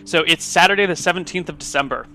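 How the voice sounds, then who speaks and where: An American man running a livestreamed tabletop game as game master, relaxed and chatty, thinking aloud with plenty of ums. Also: fairly high pitch, fast talker, faint music behind. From United States.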